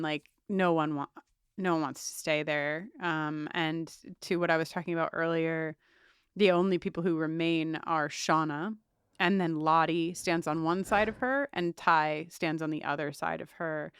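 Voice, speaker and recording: A woman co-hosting a podcast in a casual recap chat, animated, swearing freely, acting out characters' lines. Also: sits low, normal speed, clear, resonant tone, no room sound, clean studio sound. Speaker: podcast co-host.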